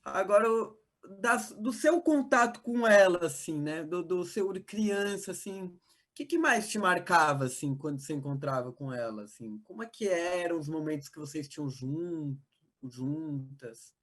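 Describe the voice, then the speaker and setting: An interviewer, asking questions gently with hesitations and fillers. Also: medium pitch, expressive, normal speed. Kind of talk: oral history interview.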